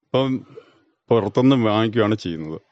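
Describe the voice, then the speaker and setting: Low-voiced Kerala man, dull dry recording. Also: lively intonation, fast, a little mellow, dry recording. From Kerala, India. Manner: brief, plain, matter-of-fact answers. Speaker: farmer being interviewed. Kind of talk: radio interview answers. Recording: dull, band-limited dry radio recording.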